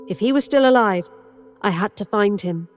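A woman narrating a horror audio drama in first person, measured and introspective. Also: mid-range voice, lively intonation, faint music behind. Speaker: narrator and lead character.

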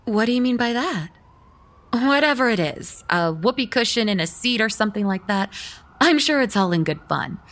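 An actress playing a caring, concerned wife who speaks gently and soothingly to her husband. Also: fairly high pitch, expressive, moderate pace. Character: caring young wife named Mary.

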